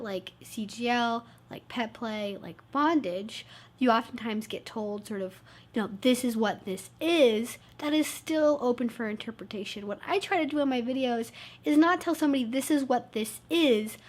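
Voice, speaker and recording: Woman vlogger, congested and tired, earnest and reassuring, a touch high. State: congested, stuffed-up nose; low on energy. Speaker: YouTube channel host. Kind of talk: casual talk to camera.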